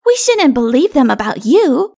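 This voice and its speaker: Woman doing an earnest, high-pitched little child. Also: big pitch swings, normal speed, creaky, darkish tone, heavily acted. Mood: innocent, earnest. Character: small innocent child elephant rider, anxious and trusting.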